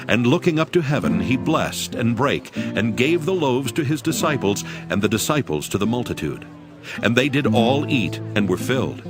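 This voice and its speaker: Animated male scripture narrator over music. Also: medium pitch.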